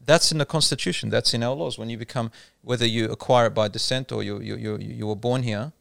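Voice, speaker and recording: Gravelly, smooth-voiced man explaining. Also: mid-range voice, fairly even intonation, brisk, a bit bright, no room sound, studio quality. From Australia. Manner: explains patiently, tells anecdotes, mixes in Arabic terms. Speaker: Islamic speaker. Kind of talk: casual religious discussion.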